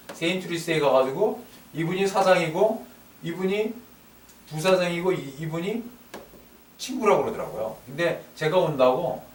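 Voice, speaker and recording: A man speaks with lively intonation at a high pitch, leaving long, frequent pauses. Audible room echo and noticeable background noise surround his voice. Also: moderate pace. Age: 60s. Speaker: negotiation lecturer. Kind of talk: lecture. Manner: halting.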